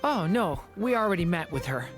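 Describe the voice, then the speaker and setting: A man's voice: high voice, very animated, a little fast. Polite earnest young guy, careful formal wording, game dialogue with music behind. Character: gentle, polite, earnest young inventive being in human form. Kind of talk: video game voice acting.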